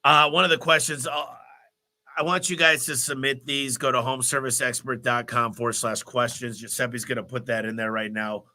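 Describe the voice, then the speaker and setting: A man hosting a live business Q&A, talking in an energetic, motivational, rambling way while congested with a cold. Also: mid-range voice, normal speed. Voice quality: stuffy, nasal. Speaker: host of a business Q&A livestream. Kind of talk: live Q&A answering viewer questions.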